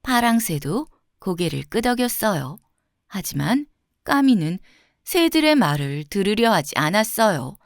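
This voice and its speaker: Expressive woman reading children's fairy tales. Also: mid-range voice, measured pace, dry recording, studio quality. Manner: expressive, clearly phrased storytelling. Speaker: children's storyteller. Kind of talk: scripted fairy-tale narration for children.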